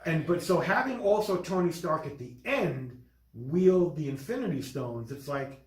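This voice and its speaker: A man's voice: fairly high pitch, animated, normal speed. A man hosting a casual film discussion, speaking in an emphatic, opinionated way. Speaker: podcast host reviewing films. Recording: roomy echo.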